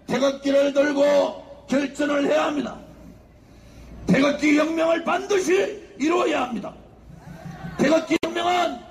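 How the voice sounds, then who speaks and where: A man giving a fiery shouted speech at an outdoor street rally, leading chanted slogans. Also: very high voice, vocal fry, slight background noise. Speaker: rally speaker. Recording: echoey loudspeaker sound with crowd and music.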